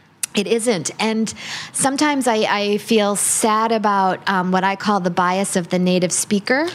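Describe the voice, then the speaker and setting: A woman with an American accent speaks at a moderate pace and medium pitch, her loudness very even and her pitch varying in an ordinary way, over noticeable background noise. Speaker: embassy English language program director. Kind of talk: interview.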